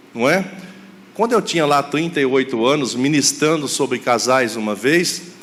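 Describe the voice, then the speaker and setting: A man speaks over noticeable background noise. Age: 60s. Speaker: preacher. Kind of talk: sermon. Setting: church.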